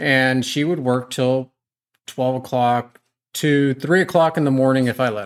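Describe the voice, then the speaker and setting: In a normal speaking voice at medium pitch, a man talks fairly slowly with fairly even intonation and big swings in loudness. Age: 40s. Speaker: pool business owner. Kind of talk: casual chat.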